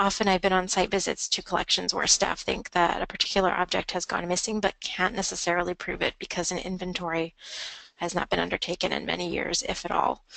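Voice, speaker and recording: Her pitch is medium, and the woman's intonation stays monotone and flat. She talks at a very fast pace. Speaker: preservation specialist presenting a webinar. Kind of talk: webinar lecture. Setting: webinar. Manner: hesitant, frequent um fillers.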